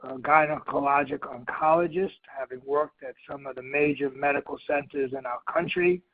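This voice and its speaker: A man's voice: a little high, moderate pace. A man speaking formally and emphatically as a company executive on an earnings call, over a muffled phone line. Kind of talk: scripted corporate presentation, then brief remarks.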